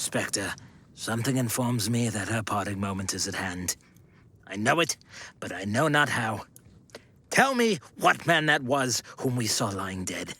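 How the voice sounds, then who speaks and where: A man's voice: on the low side, animated, a little slow, pushed and bright, a little hiss or hum, exaggerated voice. An actor playing an old miser in an audio drama, theatrical, exclamatory and overwrought as he repents. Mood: fearful. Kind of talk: audio drama stage acting.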